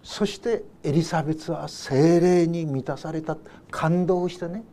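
Guy preaching a sunday sermon, kinda high voice but soft and warm, takes his time explaining verses. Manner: unhurried and explanatory, often adding soft "ですね" asides; reads scripture verses aloud and then paraphrases them. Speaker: pastor. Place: church service.

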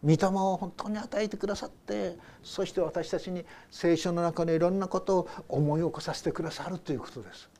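A man's voice: sits high, fairly even intonation, brisk, few pauses, dark tone. An older man, a pastor, delivering a sermon in a conversational, storytelling way with rhetorical questions.

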